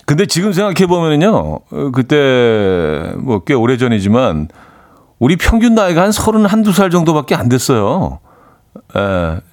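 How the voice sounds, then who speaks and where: A man's voice: mid-range voice, normal speed. Laid-back rambling male radio DJ. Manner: relaxed, rambling, many fillers. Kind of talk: casual radio chat reading listener messages.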